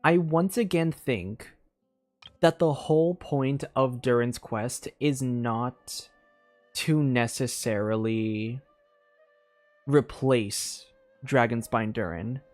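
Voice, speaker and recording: A game streamer giving casual commentary, halting and repeating words while thinking aloud. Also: mid-range voice, a little mellow, dry recording, soft background music.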